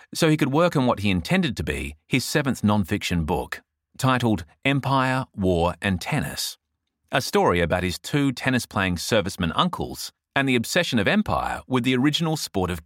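A man reading a feature article aloud in a measured, expressive way. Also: on the low side, no room sound, studio quality. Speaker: article reader.

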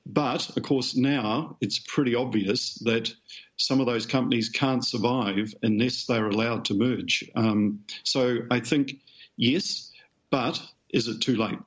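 A man, a media commentator speaking in measured, hedging remarks over a bad remote connection that breaks up. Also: mid-range voice, husky. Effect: breaking-up remote line with a bad connection. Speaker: media commentator interviewed on a TV show. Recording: dull lo-fi broadcast link with dropouts.

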